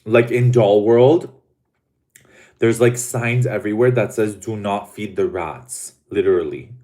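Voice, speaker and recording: A man's voice: lowish voice, measured pace, warm tone. A man hosting a casual livestream, talking in a dramatic, camp way to his viewers while he eats. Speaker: livestream host.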